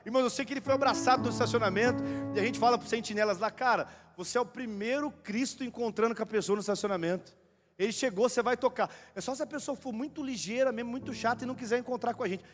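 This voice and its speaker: Man, Brazilian accent, pastor, sermon, high voice, acts out dialogue, long church reverb. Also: fast. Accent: Brazilian Portuguese. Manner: animated storytelling, acting out both sides of a conversation. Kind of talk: sermon with storytelling. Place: church auditorium. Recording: long hall reverb with music behind.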